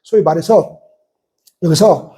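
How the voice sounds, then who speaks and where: A man's voice: a little high, takes it slowly, mellow. A middle-aged male pastor giving a sermon in a conversational way, asking the congregation rhetorical questions and acting out people's inner thoughts.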